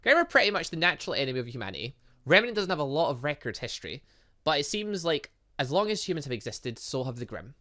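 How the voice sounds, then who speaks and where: A man's voice: fairly high pitch, very animated, fast, sharp tone. A man voicing a cheeky, blunt young female student who teases and lectures, in a visual novel game. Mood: lecturing. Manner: teasing, lecturing.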